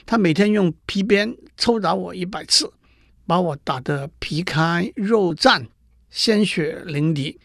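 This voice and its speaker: A sorrowful young prince from a storybook fable, cursed and half turned to stone, as a man reads him aloud. The voice sits high and has a gravelly edge, and it sounds close and dry. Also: a little slow, a bit bright, dry recording, heavily acted. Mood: grieving.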